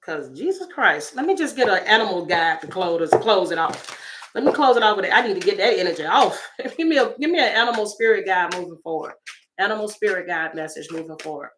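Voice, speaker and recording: Woman, slightly raspy, tarot reader, chatty, exclaims to viewers, mid-pitched. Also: lively intonation, a little fast, background noise. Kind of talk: casual tarot reading to viewers.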